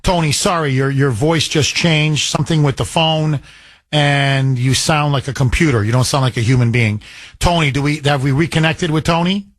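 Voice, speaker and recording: A man's voice: a little high, moderate pace, dry recording. A man hosting a talk radio show, taking callers and delivering emphatic commentary with repeated words.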